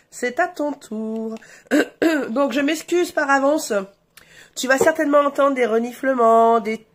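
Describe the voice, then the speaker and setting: A French woman with a cold and a stuffy nose, giving a casual tarot reading, hesitant with many fillers. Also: a little high. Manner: slow, hesitant, many fillers, addresses viewers warmly as her "essentiels". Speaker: tarot reader. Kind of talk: casual tarot guidance vlog.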